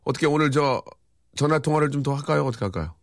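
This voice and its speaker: A man's voice: on the high side, expressive, rapid-fire, dry recording, studio quality. A man hosting a radio show in casual chat, reading out listener messages with wry, chatty reactions.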